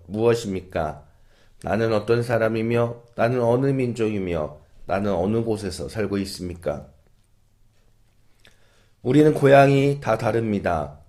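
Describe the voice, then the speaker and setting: A man, a pastor, giving an early-morning sermon in a church and closing with a prayer, earnest and measured, his sentences trailing off softer and lower.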